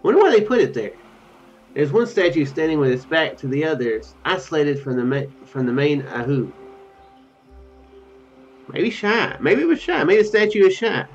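A young video game streamer speaks in a slightly high, sing-song voice at normal speed, rambling hesitantly with trailing asides while reading game text during a let's play. He's indoors at home, and game music plays beneath a dull, lo-fi microphone sound.

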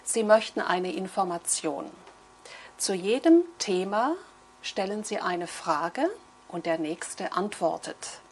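Measured middle-aged woman examiner. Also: medium pitch, lively intonation. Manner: clear, measured, explaining. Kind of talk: exam instructions. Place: indoor room.

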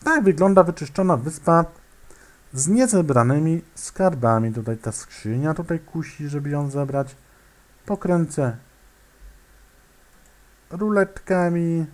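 Muttering to himself over casual gameplay, this man speaks in a fairly high, animated voice at a slow pace with long pauses. He hesitates, fills gaps, restarts his sentences, and makes clicking sounds as he plays.

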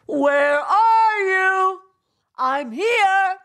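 A woman voicing a proud, aloof young male hunter, calling out in a high, strained shout. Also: animated, slow pace, full character voice.

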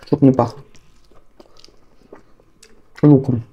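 A woman's voice: very deep voice, fairly even intonation, extremely slow, lo-fi sound. A woman vlogger talking while chewing food, chatting casually and homely with her viewers as she eats. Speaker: mukbang vlogger. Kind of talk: casual chat while eating on camera.

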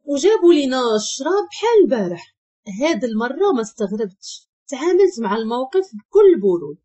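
A woman with a Moroccan accent narrating a first-person story in a lively, expressive way. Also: high-pitched, fast, husky. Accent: Moroccan Arabic.

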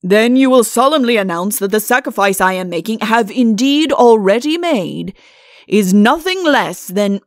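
A woman's voice: fairly high pitch, lively intonation, normal speed, dry recording, clean studio sound. A woman voicing a pompous, short-tempered, imperious king in a storybook reading. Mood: pompous dictating. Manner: imperious, stern, grandiose.

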